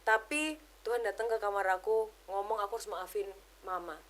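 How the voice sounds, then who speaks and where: A woman giving an emotional personal testimony as a podcast guest, telling it in an animated way and keeping the host close in the talk. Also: medium pitch, moderate pace. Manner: animated storytelling, keeps addressing the host as brother; drops English words into her speech.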